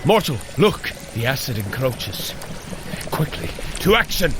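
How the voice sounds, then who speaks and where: An actor playing a hearty, earnest warrior god in an audio drama, speaking in a declamatory, wondering way. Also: male voice, medium pitch, very animated, unhurried, very noisy. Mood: urgent.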